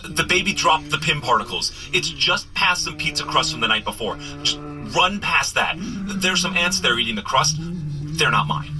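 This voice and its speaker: A man's voice: on the high side, background noise. A man playing a bumbling, good-hearted superhero in a comedy audio drama, coaching the listener with nervous, apologetic, rambling chatter. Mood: urgent, apologetic. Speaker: actor playing a superhero guide.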